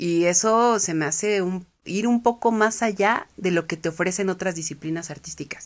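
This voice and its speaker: With a Mexico City accent, a woman at a medium pitch speaks at a moderate pace with hardly any pauses and ordinary pitch variation, in a very clean recording with a silent background. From Mexico City (Iztapalapa). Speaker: journalist and editor. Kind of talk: casual chat.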